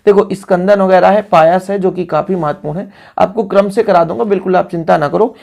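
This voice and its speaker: A man's voice: high voice, fairly even intonation, a little fast, creaky, darkish tone. A man teaching a coaching-class chemistry lecture, coaxing his pupils and asking and answering his own questions. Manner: coaxing, keeps checking in with listeners.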